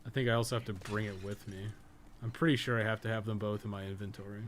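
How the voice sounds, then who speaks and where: A man's voice: lowish voice, steady tone, quick pace, a little hiss or hum. A man giving casual, rambling livestream commentary while he plays a game, blunt and slangy with some swearing. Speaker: game livestreamer and podcast co-host.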